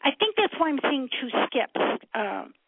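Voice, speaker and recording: A middle-aged woman from upstate New York giving a live psychic reading on a call-in show, halting as she thinks aloud and addressing callers with familiar endearments. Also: high voice, sing-song, dry recording. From upstate New York, United States. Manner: familiar, calls callers hon and sweetie. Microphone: telephone. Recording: narrow, tinny phone-line sound.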